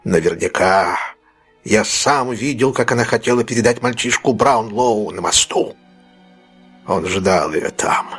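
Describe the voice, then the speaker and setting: A man voicing a brutal, desperate male robber with a slow, threatening delivery. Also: lowish voice, fairly bright tone, husky, soft background music. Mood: menacing.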